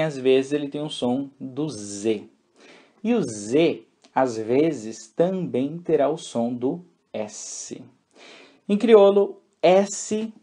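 A man's voice: on the high side, a little mellow. A man teaching a recorded language lesson, repeating example words and checking in with tag questions.

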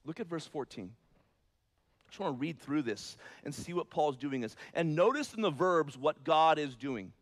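A man preaching a sermon as pastor, moving between soft, low explanation and loud, high-pitched emphasis in an earnest, conversational way. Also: lively intonation, moderate pace.

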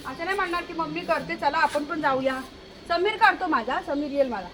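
A woman's voice: sits high, a little fast, fairly bright tone. A woman chatting casually through a home vlog, talking and scolding as she goes. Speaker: vlogger. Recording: noisy home recording.

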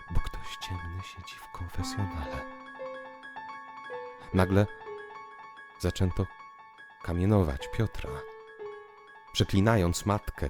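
Male narrator for literary audio drama: deep bass, unhurried, declamatory, hushed to emphatic, over music. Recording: piano music behind the voice. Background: piano music.

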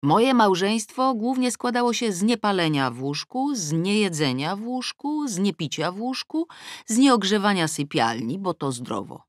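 A middle-aged woman narrates a first-person audiobook with wry, ironic expression, her tone swinging widely from line to line. Her voice sits at a moderate pitch. It is recorded close on a studio mic in a completely dry, deadened booth. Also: very animated, moderate pace, no echo.

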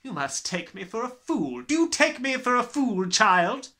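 Guy doing a nasty bossy headmistress for a kids book, high and piercing, swoops around, snaps and drags out words. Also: big pitch swings, full character voice. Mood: sharp, accusing. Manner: shouting, snapping, drawn-out emphatic words. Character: domineering, bullying middle-aged headmistress, harsh and sneering. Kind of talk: dramatised children's storybook reading.

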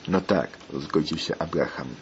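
A man reading a calm, curious visitor. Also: extremely low pitch, measured pace, muffled recording, a little hiss or hum. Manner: calm, inquisitive.

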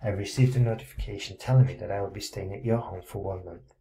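Low gravelly male tutor. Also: steady tone, quick pace, dark tone, poor audio. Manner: reads student text aloud, breaks off to comment; encouraging, frequent "okay?" check-ins. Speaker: English writing tutor. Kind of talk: essay correction screencast.

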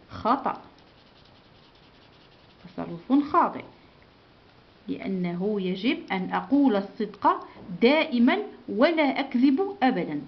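A woman teacher walks a class of small children through their review, saying each sentence and then saying it again. She praises them often and keeps a patient, steady pace. The recording is dull and lo-fi. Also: a little high. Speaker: primary school teacher.

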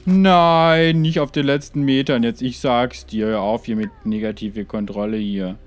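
A man's voice: on the low side, fairly even intonation, normal speed, darkish tone, faint music behind. A man hosting a let's play, talking casually to his game characters with muttered asides and frequent exclamations. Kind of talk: gaming commentary.

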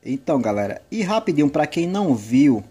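A man's voice: on the high side, sing-song, a little fast, heavy background noise. A man with a Brazilian accent giving casual, rambling gameplay commentary. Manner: rambling, conversational. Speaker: gaming video creator. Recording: loud game music behind.

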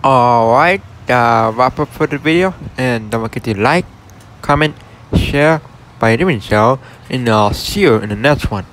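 A man vlogging as he walks through an empty shop, giving plain, low-key commentary while filming on a handheld phone. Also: expressive, a little slow, fairly bright tone, a little hiss or hum. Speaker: vlogger touring empty buildings. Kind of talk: casual walkthrough narration. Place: empty store and parking lot.

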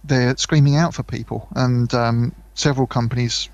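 A man's voice: mid-range voice, fairly even intonation, moderate pace, gravelly, no room sound, lo-fi sound. A British man co-hosting a podcast, chatting casually and rambling with many fillers and restarts. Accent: British English. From United Kingdom. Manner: mimics voices for anecdotes. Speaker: podcast co-host. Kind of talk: casual chat.

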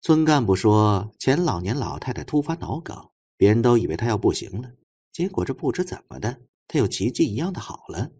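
A man's voice: on the low side, sing-song, brisk, dark tone, husky. A man voicing an earnest, knowledgeable female investigator in an audiobook, explaining things with emphatic care. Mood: briskly reporting.

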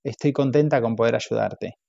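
A man's voice: medium pitch, moderate pace, creaky, dry recording, natural voice. A man voicing a woman who helps politely but resents it, in a dull, dry audiobook recording. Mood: resigned. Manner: polite on the surface, quietly resentful.

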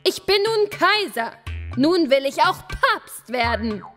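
A shrill, domineering fisherman's wife in a radio play. She talks high and drawn out, bossy and greedy. Soft music plays behind. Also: very animated, takes it slowly, full character voice.

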